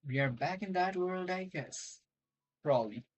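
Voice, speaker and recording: A man's voice: high voice, animated, moderate pace, no room sound. A man live-streaming a game, reading dialogue aloud and reacting casually.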